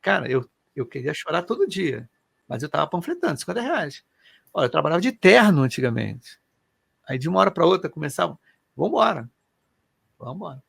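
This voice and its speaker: A middle-aged man from Rio de Janeiro, telling personal stories in an animated, colloquial way as co-host of a casual chat. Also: on the high side, a little fast, creaky, husky, no echo. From Brazil. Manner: animated, colloquial, emotional storyteller.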